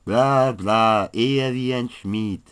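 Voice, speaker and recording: A man's voice: medium pitch, slow pace, a bit bright, clear, resonant tone, pitched above the performer's own voice. A man playing a clumsy, easily annoyed, sturdy wizard's apprentice who hesitates and stammers in a fantasy audio story. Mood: grumpy. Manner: hesitant, stammering with filler sounds.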